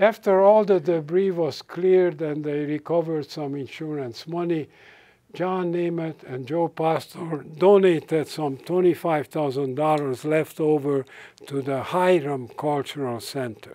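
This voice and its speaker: A man with a Hungarian accent speaks at a fairly high pitch and a fairly slow pace. His tone is dark and mellow, with ordinary pitch variation. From Hungary. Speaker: lecturer on soccer history. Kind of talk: lecture. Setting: museum talk with audience.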